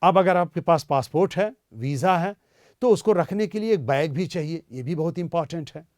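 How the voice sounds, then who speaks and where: A male language teacher giving a beginner lesson, repeating each word slowly so listeners can say it after him. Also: on the high side, expressive, darkish tone, no echo, studio quality.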